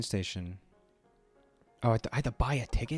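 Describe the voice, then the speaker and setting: Music plays in the background as a man talks quietly at a very fast pace. His pitch is medium and varies in an ordinary way. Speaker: game streamer. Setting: at home late at night. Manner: talks quietly, hushed.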